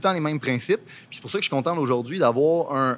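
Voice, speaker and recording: A man speaks in a plain, everyday voice, fairly high in pitch with ordinary pitch variation. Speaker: podcast host, entrepreneur. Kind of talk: casual interview chat.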